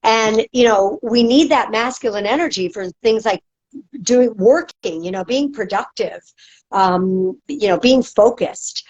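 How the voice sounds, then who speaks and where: A woman's voice: on the high side, a little slow, a little mellow. A woman, a movement instructor, talking casually in a podcast with many fillers and restarts. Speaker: guest, movement and dance instructor. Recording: dull lo-fi audio.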